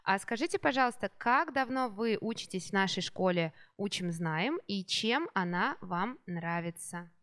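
A woman who is a hospital teacher hosting a podcast, patiently prompting children with gentle follow-up questions. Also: mid-range voice, expressive, normal speed, few pauses. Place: children's rehabilitation centre.

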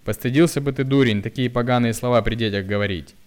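A man's voice: mid-range voice, quick pace, pitched above the performer's own voice, natural voice. A man voicing a weary middle-aged village woman who pleads with and scolds her drunk husband in rustic speech. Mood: scolding plea.

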